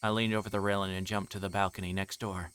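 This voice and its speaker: A man's voice: low-pitched, flat delivery, fast talker, fairly bright tone, clear, resonant tone. A man streaming a game, reading its narration aloud in a dramatic way, with game music behind him.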